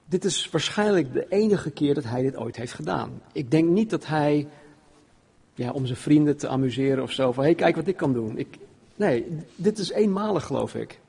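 Husky-voiced man preaching informally. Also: fairly high pitch, animated, moderate pace, darkish tone. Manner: informal, stumbles and repeats words. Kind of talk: conversational sermon with Bible reading.

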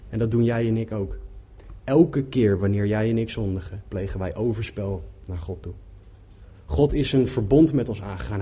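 A man's voice: fairly low pitch, warm tone, breathy edge. A man preaching a sermon in an earnest, emphatic way, often repeating phrases for weight.

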